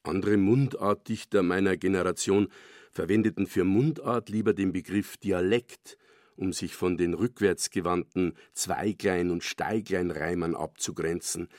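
An older man from Bavaria, a dialect poet, reading a scripted personal essay for radio in a calm, measured way. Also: low voice, no echo, clean studio sound. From Bavaria, Germany.

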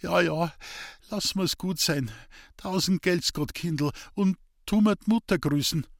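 A man's voice: high voice, measured pace, creaky, no echo, clean studio sound, voice pushed up. A man voicing a sick, bedridden village man, emotional and stammering in his gratitude. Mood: grateful.

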